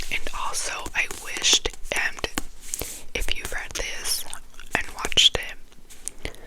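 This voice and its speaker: Whispering very slowly with long, frequent pauses, the speaker is heard over noticeable background noise. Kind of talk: ASMR book tapping video with casual chat. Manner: whispered, soft-spoken.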